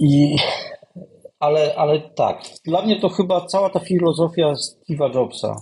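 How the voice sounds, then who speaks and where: A man's high voice in a Polish accent, fairly slow, with very even loudness and ordinary pitch variation. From Poland. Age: 50s. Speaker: amateur endurance runner. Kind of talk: casual interview conversation.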